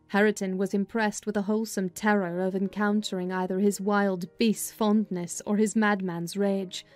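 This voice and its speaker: A woman's voice: mid-range voice, dark tone. Woman narrating a classic novel. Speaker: audiobook narrator. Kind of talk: dramatized literary narration.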